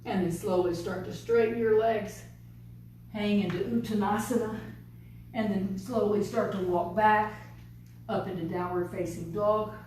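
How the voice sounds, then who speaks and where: A woman teaching a yoga class, giving calm, unhurried step-by-step cues. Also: mid-range voice, a little hiss or hum. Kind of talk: guided yoga class instruction. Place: yoga studio. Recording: distant, very echoey studio room.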